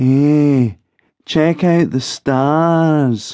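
A man puts on a character voice, pitched fairly high, with fairly even intonation. The background is quiet. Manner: slow, stoned, mocking.

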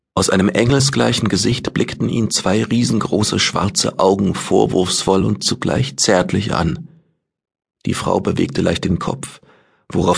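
Speaking at a fairly slow pace, a man uses a very deep, low pitch with very wide pitch swings and vocal fry. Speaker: audiobook narrator. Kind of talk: dramatic audiobook narration of a sci-fi novel, read aloud. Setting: studio.

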